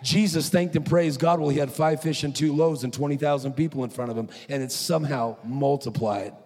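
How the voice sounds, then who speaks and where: A man preaching at a conference, telling a story with animated, acted-out quotes. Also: mid-range voice, a little fast. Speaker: conference speaker. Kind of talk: preaching sermon. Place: large conference hall. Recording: echoey hall.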